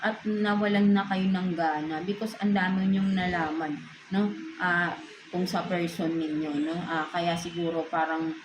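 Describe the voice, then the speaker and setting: Filipino lady reading tarot cards, low voice, keeps saying "no?", echoey room with noise behind. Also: steady tone, measured pace. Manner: mixes English into Filipino, ends phrases with a questioning "no?". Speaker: tarot reader.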